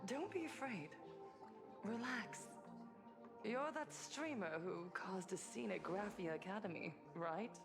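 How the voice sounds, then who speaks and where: A woman's voice: mid-range voice, animated, a little slow, creaky, over music. A woman playing a haunted, grieving young survivor in a dramatic video game. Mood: calm, eerie.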